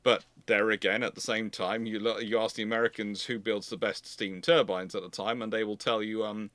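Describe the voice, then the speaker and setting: Bright-voiced man rambling through explanations. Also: fairly low pitch, level tone, fairly quick, dry recording. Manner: rambling, often repeats and restarts phrases. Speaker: host of a live naval history Q&A. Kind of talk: live unscripted explanatory talk.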